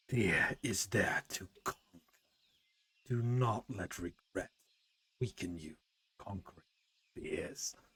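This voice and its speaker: A man puts on a guttural character voice at a medium pitch. He talks at a very slow pace with long, frequent pauses. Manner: restrained, not fully monstrous.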